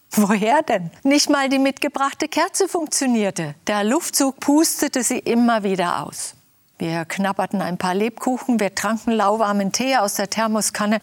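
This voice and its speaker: A middle-aged woman tells a personal story in an Advent devotional, her voice at an ordinary middle pitch. She speaks gently and intimately and drops to a hush for the quiet moments.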